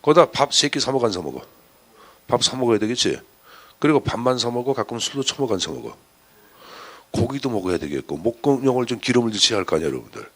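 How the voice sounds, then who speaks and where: A man's voice: medium pitch, sing-song, fast, fairly bright tone, husky. A man giving a chatty exam-prep lecture, firing rhetorical questions at his students.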